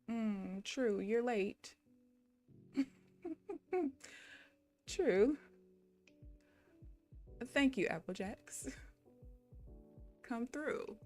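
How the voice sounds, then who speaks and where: A woman's voice: mid-range voice, a little mellow. A young woman from Missouri chatting casually while she trades live, talking to her viewers and laughing often. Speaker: day trading livestreamer. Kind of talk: casual live-stream commentary.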